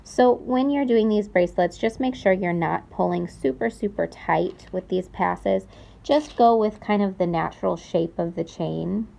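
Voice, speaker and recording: A woman's voice: lowish voice, gravelly, warm tone. A young woman presenting a craft tutorial, explaining each step carefully and repeating key words for emphasis. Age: young adult. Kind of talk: step-by-step instructional demonstration.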